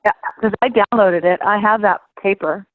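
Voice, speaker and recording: A woman's voice: medium pitch, normal speed, no echo. A woman taking part in a group conference call, hesitant and searching for words. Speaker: course participant. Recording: tinny dry phone line.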